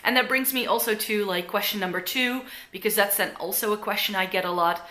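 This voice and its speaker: A woman's voice: mid-range voice, a little fast, pushed and bright. A young Dutch woman with a mixed Dutch and American accent, chatting casually to camera in her living room, rambling with plenty of fillers. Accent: Dutch with some American. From Netherlands. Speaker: beauty vlogger. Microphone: camera in front at close range.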